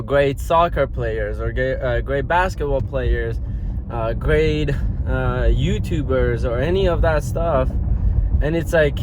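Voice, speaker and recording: A man, talking casually to camera in a loose, rambling way and often clearing his throat. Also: medium pitch. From Iran. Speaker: motivational vlogger. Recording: outdoor street noise.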